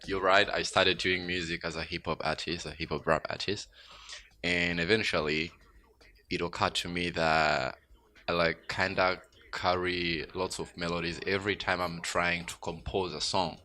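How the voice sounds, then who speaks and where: A Tanzanian musician, a guest in a radio studio interview, speaks reflectively and turns emphatic when excited. His voice is low and his speed normal.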